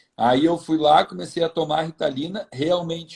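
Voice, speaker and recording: Here a man talks at a high pitch. His pace is fairly slow. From southern Brazil, Rio Grande do Sul (Caxias do Sul). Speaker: doctor. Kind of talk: casual interview chat.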